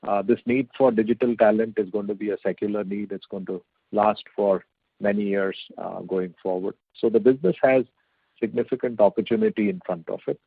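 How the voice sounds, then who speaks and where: A male company executive giving halting, measured, hedging answers on an earnings call over a conference phone line. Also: on the low side, fairly even intonation, vocal fry, slightly rough, no echo.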